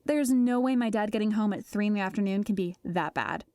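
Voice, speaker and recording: A woman's voice: mid-range voice, brisk, darkish tone, no echo, studio quality, natural voice. A woman acting in an audio drama as a friendly, sheltered young gamer with a casual, wry manner. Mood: casual, reassuring. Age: young adult.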